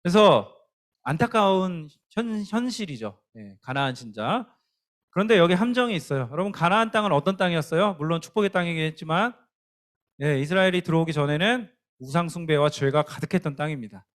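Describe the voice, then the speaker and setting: A man's voice: on the high side, expressive, a little fast. A man preaching a youth sermon, earnest and emphatic, often asking the listeners questions. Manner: earnest, emphatic, speaking directly to teens with questions. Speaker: youth pastor.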